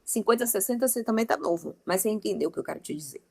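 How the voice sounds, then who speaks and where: A woman's voice: medium pitch, animated, racing, gravelly. A young woman giving an informal Christian devotional talk, speaking emphatically and straight to her listeners with affectionate asides. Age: young adult. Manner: emphatic, talks straight to the listener as "meu amor" and "gente".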